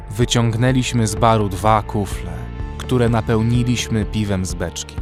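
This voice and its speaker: A man's voice: medium pitch, lightly acted. A man playing a weary armed survivor who narrates a horror audio drama in the first person. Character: weary male armed survivor narrating a frozen zombie apocalypse. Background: music bed.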